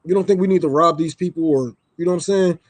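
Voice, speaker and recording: A man's voice: on the high side, fast talker, no echo. A man on a livestream, ranting heatedly and with profanity, repeating lines for emphasis. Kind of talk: livestream rant. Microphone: microphone.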